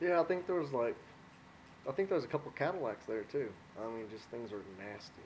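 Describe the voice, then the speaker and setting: A man with a West Texas accent talks at a very fast pace, with very wide pitch swings. He takes long, frequent pauses over light background noise. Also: big swings in loudness. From Texas Panhandle. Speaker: demolition derby driver and mechanic; podcast guest. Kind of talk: casual interview. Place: home room. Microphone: studio mic.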